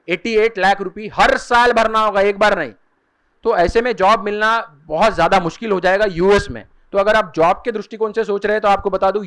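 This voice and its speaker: A man giving a lecture at a seminar, explaining step by step and repeating key terms slowly. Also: high voice, a bit bright. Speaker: career guidance speaker. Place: seminar hall.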